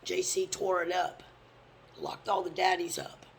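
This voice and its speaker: Gravelly, intense street preacher. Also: medium pitch, level tone, measured pace, a little hiss or hum. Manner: intense, often drops to a hushed whisper; blunt, with occasional swearing. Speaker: religious teacher. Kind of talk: fervent scripture preaching.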